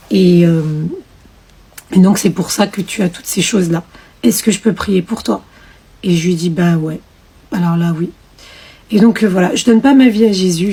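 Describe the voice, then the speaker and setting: Woman, young adult, emotional testimony, husky voice, quoted dialogue. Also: medium pitch, dark tone. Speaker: convert telling her testimony. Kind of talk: personal testimony.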